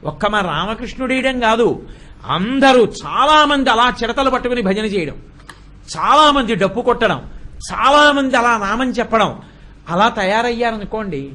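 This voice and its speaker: A man's voice: very high-pitched, normal speed. A man giving a religious discourse, breaking into sung devotional refrains as he tells his points. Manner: sings bhajan refrains mid-talk, animated storytelling. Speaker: spiritual speaker.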